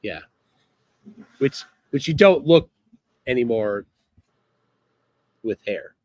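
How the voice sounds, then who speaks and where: A man hosting a casual livestream, reading chat aloud in a halting, laid-back way, speaking outdoors by the water. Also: mid-range voice, expressive, darkish tone, no room sound, rough recording. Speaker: livestream host.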